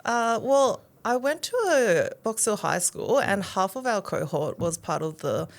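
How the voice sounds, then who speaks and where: A young Australian woman born in China, a guest talking candidly in a relaxed, self-deprecating way. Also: medium pitch, unhurried, vocal fry. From born in China, raised in Australia. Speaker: guest, powerlifter and trainer. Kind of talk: casual interview chat.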